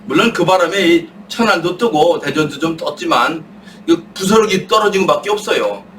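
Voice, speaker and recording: A middle-aged man giving an impassioned political talk, asking rhetorical questions and answering them himself, sometimes shouting when worked up. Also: high-pitched, a little hiss or hum. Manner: rhetorical, asks and answers his own questions. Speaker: guest speaker. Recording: distant mic with faint room ambience.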